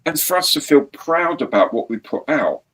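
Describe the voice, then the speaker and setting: A man's voice: a little high, sing-song, moderate pace, fairly bright tone. A man hosting a casual live-stream chat, rambling and chatty with some mild swearing. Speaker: host.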